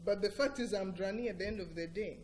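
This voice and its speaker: A middle-aged woman with a Ugandan accent, speaking as an interview guest in an earnest, emphatic and deliberate explanatory way. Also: mid-range voice, a little mellow. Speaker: interview guest, cultural organisation director. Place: TV breakfast show interview.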